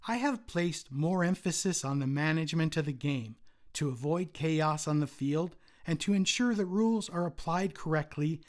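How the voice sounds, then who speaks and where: A man, a retired umpire, giving a formal prepared presentation at a convention in a measured, read-aloud way. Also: a little high, lively intonation, a little mellow.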